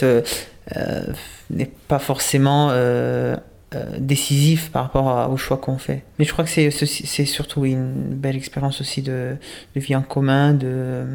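Young man in his twenties, seminary candidate, gravelly and flat delivery, hesitant and reflective, full of pauses. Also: mid-range voice. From Italy. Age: 20s. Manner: hesitant, thoughtful, many pauses and restarts. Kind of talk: casual interview answers.

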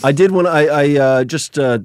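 A man's voice: a little high, no room sound. A man from Canada, a comedian co-host who grew up speaking Polish, chatting casually with stammering restarts. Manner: quick, stammering restarts, self-deprecating jokes. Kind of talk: casual chat.

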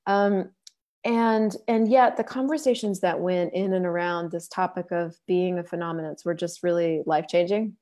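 Scattered, low-voiced woman host on a call. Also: steady tone, normal speed, warm tone. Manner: scattered, self-interrupting, swears casually. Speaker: podcast host and facilitator. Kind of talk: casual video-call chat. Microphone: video call.

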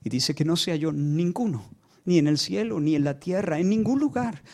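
A high-pitched male preacher delivers a dramatic sermon. He repeats words for emphasis and swings between near-whispers and ringing declarations. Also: animated, moderate pace, a little mellow.

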